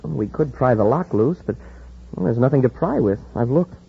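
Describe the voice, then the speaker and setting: An actor playing an eager, loyal young space cadet in an old radio drama. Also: male voice, medium pitch, expressive, moderate pace, vocal fry, a little hiss or hum. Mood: earnest. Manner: earnest, boyish. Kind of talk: 1950s radio drama acting. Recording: dull old radio broadcast recording.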